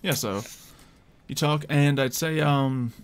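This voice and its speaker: A man's voice: fairly high pitch, slow, smooth. A man acting as game master, explaining the scene casually and loosely with some hesitation. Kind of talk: casual tabletop game narration.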